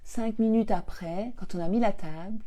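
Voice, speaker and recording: A woman coach telling a family story casually to her viewers on a live stream. She is animated, laughs often and acts out the dialogue. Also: mid-range voice, moderate pace.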